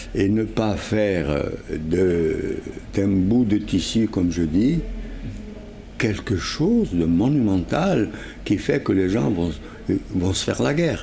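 A man with fairly low pitch speaks at a very slow pace, with lively intonation, very even loudness and long, frequent pauses. Audible room echo and noticeable background noise surround him. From Corsica (mountain village). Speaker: president of an anti-racism association. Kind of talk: interview. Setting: social café during a street event.

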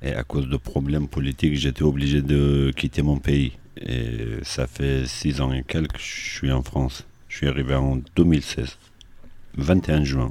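In a Kurdish accent, a man speaks very slowly with a very deep, low pitch and monotone, flat intonation over noticeable background noise. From Iranian Kurdistan. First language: Kurdish (speaking French). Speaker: percussionist. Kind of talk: interview.

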